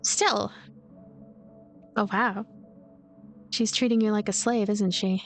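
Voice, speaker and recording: A woman's voice: mid-range voice, fairly even intonation, slow pace. A woman voicing a lonely, stubborn ghost girl in a visual novel, blunt and earnest. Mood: puzzled. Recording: music behind the voice.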